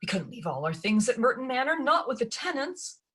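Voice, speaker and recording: A woman's voice: a little high, very animated, brisk, fairly bright tone, voice pushed up. A woman voicing a fretful middle-aged stepmother who babbles and pleads anxiously. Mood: pleading.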